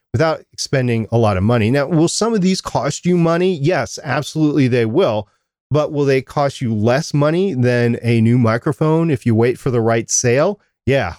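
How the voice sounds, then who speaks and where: A man's voice: mid-range voice, darkish tone, dry recording, clean studio sound. A man co-hosting a podcast, explaining audio plugins in a casual, conversational way and asking himself rhetorical questions. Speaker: podcast co-host. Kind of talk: casual instructional chat.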